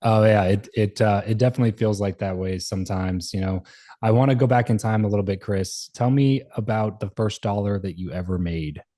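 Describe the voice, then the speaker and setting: Low, mellow male podcast host. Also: a little fast. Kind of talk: casual interview.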